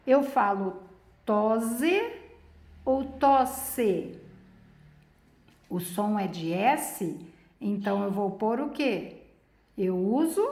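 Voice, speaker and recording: A woman teacher walks through a spelling lesson one step at a time, very slowly and patiently. Her voice sits a little high and moves lively up and down. The room around her is echoey. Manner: slow, patient, explaining step by step.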